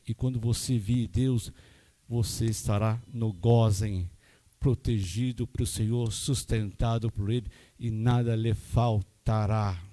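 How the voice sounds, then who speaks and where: Older paulistano pastor preaching, chatty, keeps asking the crowd if they're with him. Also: male voice, medium pitch, dark tone. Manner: folksy, keeps asking the congregation "né?" and "amém?". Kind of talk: sermon.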